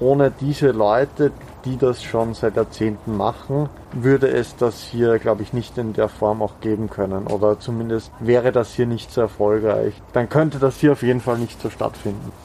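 With noticeable background noise behind him, a man talks at a medium pitch with fairly even intonation. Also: moderate pace. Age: 20s. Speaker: student climate activist. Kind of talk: interview. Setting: food tent at outdoor protest camp, face mask.

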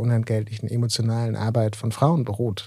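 A man's medium-pitched, dark, mellow voice in a very clean recording with a silent background. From Mecklenburg-Vorpommern, East Germany. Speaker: author and journalist. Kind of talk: interview.

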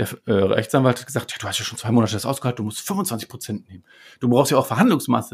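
A man's somewhat breathy, medium-pitched voice at a very fast pace, with big swings in loudness and ordinary pitch variation, in a very clean recording with a silent background. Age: 40s. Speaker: organizational development consultant and trainer. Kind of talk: casual interview conversation.

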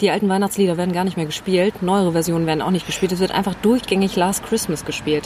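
A woman's medium-pitched voice at a very fast pace, fairly even in intonation, with hardly any pauses and noticeable background noise. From North Rhine-Westphalia, Germany. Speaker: podcast guest. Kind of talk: casual chat. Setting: outdoors, school yard.

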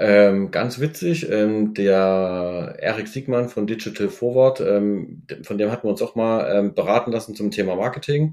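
Against a quiet background, a man with an ordinary speaking voice talks at a fairly slow pace, his medium pitch showing ordinary variation. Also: hardly any pauses. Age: 30s. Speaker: e-commerce marketing manager. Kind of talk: interview.

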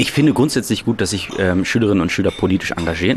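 A man's fairly low-pitched voice over noticeable background noise. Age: 20s. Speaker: young politician. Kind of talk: interview.

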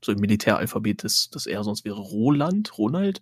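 A man with a fairly low voice talks with ordinary pitch variation in a dry, close sound with no echo. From Lower Saxony, Germany. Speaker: podcast co-host. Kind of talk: casual chat. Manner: halting.

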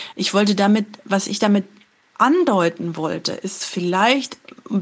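A woman speaks at medium pitch, somewhat breathy. Her pitch varies in an ordinary way. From Germany, Rhineland-Palatinate (Bingen). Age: 50s. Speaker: journalist and mental health patient advocate. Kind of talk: interview testimony. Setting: remote call. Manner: hesitant, many fillers.

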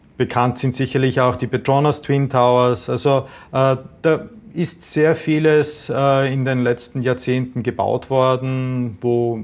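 With fairly even intonation, a man speaks fairly slowly at a medium pitch. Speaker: trade delegate and export expert. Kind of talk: interview. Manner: hesitant with fillers and repetitions.

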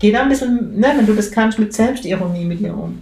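A woman talks at a fairly quick pace. Room echo can be heard around her voice. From Kurpfalz, southwest Germany. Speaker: spiritual medium, podcast host. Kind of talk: solo podcast monologue. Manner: casual, chatty.

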